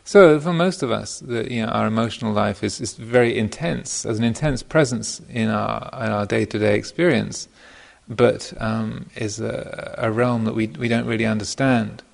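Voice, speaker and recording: A man with a fairly low voice full of heavy creak gives an informal talk as a meditation teacher. He is thoughtful and hesitant, often pausing in mid-phrase as he works toward his wording. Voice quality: gravelly, creaky voice. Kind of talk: informal dharma talk to a retreat group. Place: meditation retreat center.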